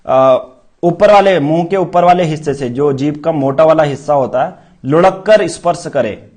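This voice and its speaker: A man's voice: on the high side, moderate pace, a little mellow. A man teaching a grammar lesson for exam preparation, demonstrating sounds aloud and quizzing students with questions he answers himself. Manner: repeats key terms as questions and answers them.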